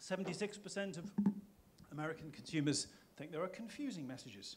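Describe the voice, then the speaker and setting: A man with an English accent talks at a very fast pace with lively intonation. Audible room echo is present. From England. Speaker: conference speaker, food marketing consultant. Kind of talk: conference talk. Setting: stage with audience. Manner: humorous, lively.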